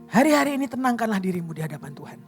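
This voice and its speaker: A woman evangelist preaching a sermon in a lively, conversational way, telling a personal story and often addressing the congregation directly with tag questions and dramatic pauses. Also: fairly high pitch, soft background music. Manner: animated, addresses listeners as brothers and sisters.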